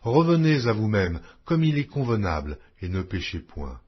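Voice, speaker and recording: A man reading scripture aloud in a slow, measured, expressive way, with a husky voice. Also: lowish voice. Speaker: Bible reader. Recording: dull lo-fi audio.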